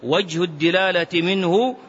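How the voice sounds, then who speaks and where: A man's voice: high voice, normal speed, fairly bright tone, slight background noise. A man giving a religious lesson in a mosque, emphatic, asking rhetorical questions and chanting some phrases. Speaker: religious teacher. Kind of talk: mosque lesson explaining hadith. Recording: muffled lo-fi recording.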